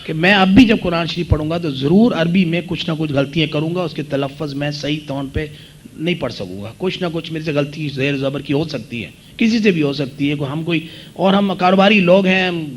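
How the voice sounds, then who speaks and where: A man's voice: fairly high pitch, dull audio, slight background noise. A man from the audience politely and deferentially asking a long-winded question after a lecture.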